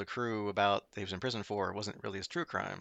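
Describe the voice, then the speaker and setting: A man talks at a very fast pace. His pitch is fairly low and his intonation fairly even. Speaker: podcast host and co-host. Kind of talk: casual chat podcast, recap and banter. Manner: fast talker.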